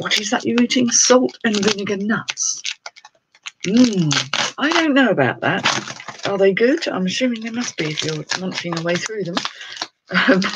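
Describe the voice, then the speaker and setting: Loud background noise behind speech at a moderate pace. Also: woman. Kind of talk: casual live-stream unboxing chat. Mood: cheerful, chatty. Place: home room. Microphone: webcam.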